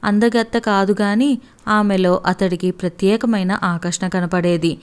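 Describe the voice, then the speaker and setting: A woman narrating a story in a measured, reflective reading. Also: mid-range voice, steady tone, smooth.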